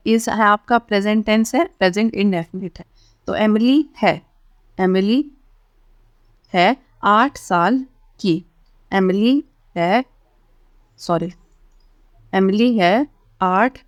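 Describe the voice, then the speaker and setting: Indian woman, language teacher, unhurried and instructional, medium pitch, very dry recording. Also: no room sound. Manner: instructional, often checking in with short tags. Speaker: English teacher, channel host. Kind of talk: step-by-step language lesson with word-by-word translation.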